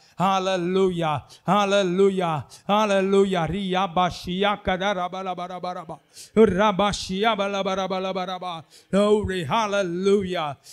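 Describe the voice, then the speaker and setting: A man speaks in an animated tone at a high pitch. Music plays in the background. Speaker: preacher. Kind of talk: sermon. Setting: church. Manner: animated, fervent; expository, rhythmic repetition. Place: church. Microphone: handheld.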